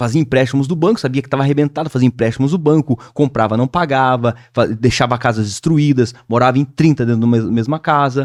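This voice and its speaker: In a dry, close recording with no echo and a quiet background, a man with an unremarkable speaking voice talks at a fairly quick pace and medium pitch, with ordinary pitch variation and very even loudness. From southern Brazil, Curitiba. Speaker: entrepreneur, barber. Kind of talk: casual interview chat.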